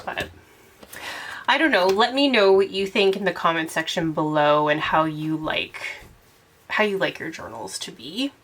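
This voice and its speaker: A young woman hosts her own channel in a relaxed, rambling chat, her voice congested from a cold. She talks a little lower than most women and laughs easily between thoughts. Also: moderate pace. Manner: chatty, rambling, laughs often. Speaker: tarot channel host. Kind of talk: casual chat to camera.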